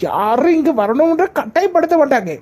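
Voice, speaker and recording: A woman's voice: high voice, lively intonation, brisk, dark tone. A woman voicing a grown husband in a cartoon comedy, speaking with a Kanyakumari Tamil accent, pleading and later smug. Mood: consoling. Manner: pleading, then smug and gloating. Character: grown husband, clingy then gleefully relieved.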